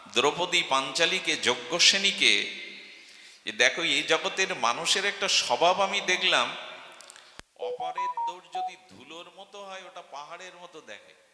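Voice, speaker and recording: Bright-voiced man preaching, storytelling with rhetorical questions, long echo from the hall. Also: on the high side. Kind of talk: devotional sermon. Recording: echoey hall.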